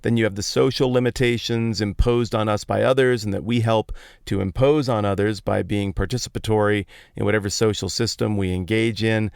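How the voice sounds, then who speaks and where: A man's voice: lowish voice, fairly even intonation, a little fast, creaky, few pauses, darkish tone, clean tone, no echo, clean studio sound. An American man hosting a podcast, telling stories in a casual, colloquial way with playful emphasis, recorded inside a parked truck. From Colorado, United States. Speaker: podcast host. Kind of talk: casual conversational Bible talk, storytelling monologue.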